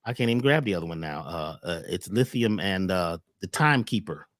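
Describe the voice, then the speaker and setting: A man talking as a wellness coach on a talk show, emphatic and repetitive, often jumping high on key words. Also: lively intonation, fairly quick, a bit bright, no room sound, clean studio sound. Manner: emphatic, repeats phrases, swoops up on key words. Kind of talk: animated talk-show conversation.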